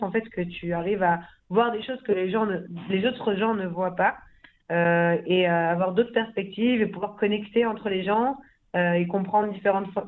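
A woman from Belgium, talking casually and chattily about her life and languages. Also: medium pitch. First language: French. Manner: chatty, many fillers and restarts, laughs easily. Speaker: language school founder. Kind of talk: casual interview talk. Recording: phone-like narrow sound.

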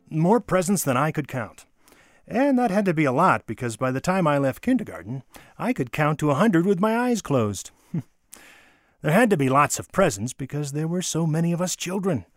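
A man giving a theatrical, expressive dramatic reading of a childhood holiday memoir, with wonder and deliberate pauses. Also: on the high side, no echo, clean studio sound. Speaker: storyteller. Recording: music under the voice. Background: music.

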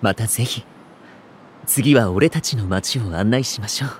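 An actor playing a courteous, bookish young food streamer in an audio drama, speaking in formal, literary, gentlemanly phrases. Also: male voice, on the low side, moderate pace, slight background noise, lightly acted. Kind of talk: Japanese audio drama acting.

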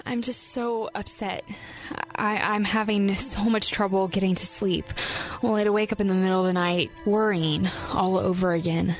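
A distraught, weary woman, played by an actress confides her troubles in a radio ad. Her voice is medium-pitched, over faint music. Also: fairly even intonation, normal speed, lightly acted. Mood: upset, weary. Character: distraught, worn-down sleepless woman seeking help. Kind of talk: radio commercial acting.

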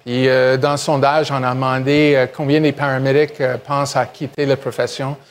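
A man's voice: mid-range voice, flat delivery, normal speed, slight background noise. A man answering as a paramedic representative, hesitant and mixing in English terms. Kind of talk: radio interview answers.

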